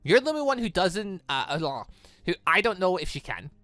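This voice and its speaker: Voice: mid-range voice, sing-song, moderate pace, a bit bright, no echo. A gaming YouTuber reading out the part of a guarded, bossy young woman in a visual novel who speaks bluntly, with music behind. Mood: stern, bossy.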